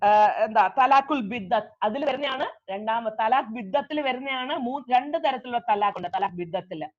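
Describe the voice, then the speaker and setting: Female law lecturer, high-pitched, unhurried, explanatory, dull recording. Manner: explanatory, repeats key terms, slow deliberate English phrases. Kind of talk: law lecture mixing English and Malayalam.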